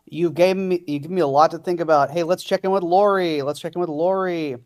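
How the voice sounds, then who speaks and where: A man hosting improv games, hesitant and full of drawn-out fillers. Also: on the high side, steady tone. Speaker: host.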